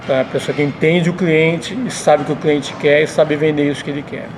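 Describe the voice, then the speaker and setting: A middle-aged man answers interview questions as a restaurant owner, explaining things in a measured way, over faint room noise. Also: a little high, fairly even intonation.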